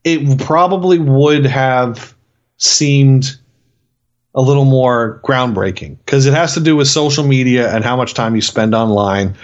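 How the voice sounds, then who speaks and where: A man's voice: mid-range voice, a little slow. A man co-hosting a movie review podcast, talking in a rambling, profane way with many restarts. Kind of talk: casual chat. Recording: dull lo-fi sound.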